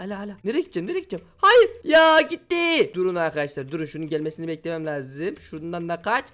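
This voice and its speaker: A man giving excited let's-play commentary as a gaming YouTuber, exclaiming and talking to viewers like friends. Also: fairly high pitch.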